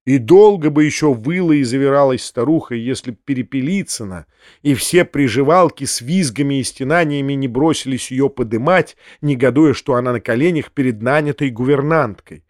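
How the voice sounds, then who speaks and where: A man's voice: medium pitch, no echo. Man narrating a classic novel, dry close voice. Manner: measured, even storytelling. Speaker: audiobook reader. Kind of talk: scripted literary narration.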